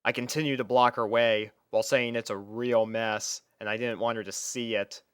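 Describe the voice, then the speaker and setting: A man's voice: medium pitch, fairly even intonation, moderate pace, a bit bright, clear, resonant tone, no room sound, studio quality. A young man reading a scripted first-person story as its narrator.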